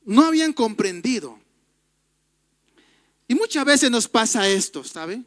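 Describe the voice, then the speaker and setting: A man's voice: extremely high pitch, sing-song, a little slow, a bit bright, dry recording, clean studio sound. A man preaching a sermon, reading Bible verses aloud and retelling the story with feeling. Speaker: pastor. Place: church.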